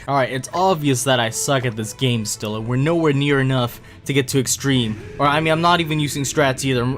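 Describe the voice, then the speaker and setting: A man casually commenting on his own mobile game play, rambling and self-mocking with frequent laughs. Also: mid-range voice. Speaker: gaming YouTuber. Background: faint game music.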